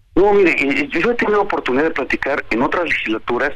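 A man's voice with a bright, sharp tone. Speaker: legislator. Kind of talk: radio interview.

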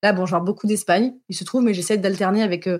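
The recording is very clean, with a silent background. A woman with a medium pitch talks at a very fast pace. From grew up abroad. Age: 20s. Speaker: history podcaster. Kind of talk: casual interview. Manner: animated.

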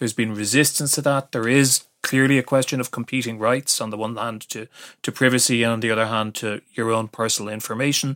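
Flat, monotone delivery from a man with an Irish accent at a medium pitch and fairly quick pace, in a dry, close recording with no echo and a silent, very clean background. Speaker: podcast host. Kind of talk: interview.

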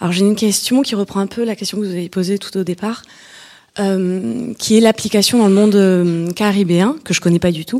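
A woman uses a normal speaking voice at medium pitch and a moderate pace. Her pitch variation is ordinary. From Martinique. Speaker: audience member. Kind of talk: audience question. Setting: bookshop event with live audience.

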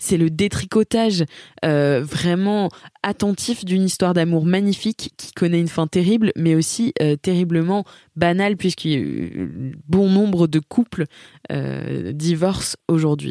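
Very slowly, a woman speaks at a fairly low pitch with a dark, mellow tone and ordinary pitch variation, the sound dry and close with no echo on a very clean recording with a silent background. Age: 20s. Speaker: film recommendation podcaster. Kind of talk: casual monologue review. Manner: hesitant, many fillers.

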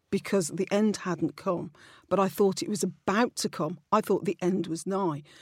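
A woman's ordinary speaking voice at medium pitch with fairly even intonation, dry and close with no echo, on a very clean recording with a silent background. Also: moderate pace. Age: 50s. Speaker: novelist. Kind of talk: casual interview chat.

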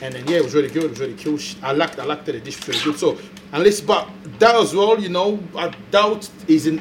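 Amid noticeable background noise, a man talks at a very fast pace with very wide pitch swings. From Scotland (Glasgow), born in DR Congo. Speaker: chef. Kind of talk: interview.

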